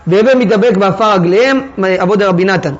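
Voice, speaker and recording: A man's voice: sits high, highs cut off. A man teaching a Torah text class, reading sources aloud and then explaining them in casual everyday speech. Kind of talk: text-study lesson to a class.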